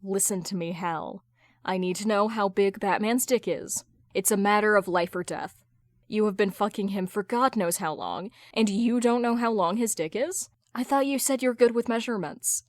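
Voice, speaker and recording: Woman acting a scathing, deadpan businesswoman. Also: mid-range voice, normal speed, no room sound, studio quality, lightly acted. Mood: deadpan demanding. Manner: deadpan, sarcastic, blunt. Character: sharp, judgmental businesswoman, scathing exasperated ex.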